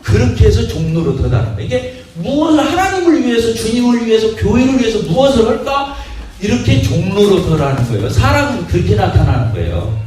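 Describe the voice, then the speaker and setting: A male pastor preaches with animated energy, firing rhetorical questions at his congregation. His voice sits high and swings widely in pitch. The recording is set far from him in a very echoey church hall. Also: brisk, few pauses, slight background noise. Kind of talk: sermon. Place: church sanctuary.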